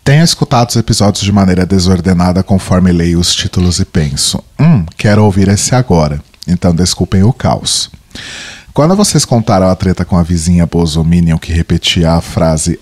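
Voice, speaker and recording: A young man from Brazil with a cold, co-hosting a podcast in playful, chatty talk and reading listener emails aloud. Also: deep voice. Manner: playful, chatty, reads at a steady pace. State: has a cold. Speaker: podcast co-host.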